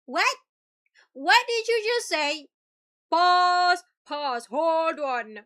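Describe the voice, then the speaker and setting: A woman streamer reading a visual novel aloud and reacting in an animated, teasing way, swearing freely. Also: extremely high pitch, very slow, no room sound, clean studio sound. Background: music.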